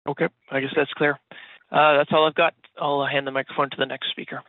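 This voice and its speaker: A man's voice: on the high side, level tone, brisk. A man calling in as a financial analyst, asking casual questions on an earnings call. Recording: dry narrowband phone line.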